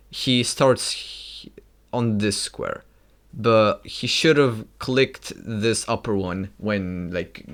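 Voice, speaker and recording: A man with a Polish accent speaks at a medium pitch and a very slow pace, recorded very cleanly against a silent background. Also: ordinary pitch variation. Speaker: video game commentator. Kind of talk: gameplay analysis commentary. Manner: halting, many false starts.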